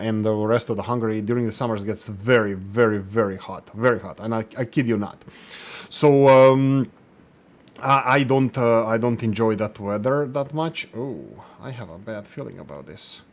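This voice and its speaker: A man's voice: medium pitch, a little mellow. A man from Croatia commenting casually over his own gameplay, rambling with many fillers and restarts, self-deprecating. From Croatia (Slavonia). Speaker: gaming channel host. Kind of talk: casual let's play commentary.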